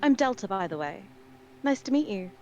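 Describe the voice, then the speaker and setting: A woman's voice: mid-range voice, sing-song, normal speed, dull audio, faint music behind, natural voice. A woman voicing a courteous, evasive woman with a Romanian accent in a tabletop game. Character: polite, evasive woman exploring a church.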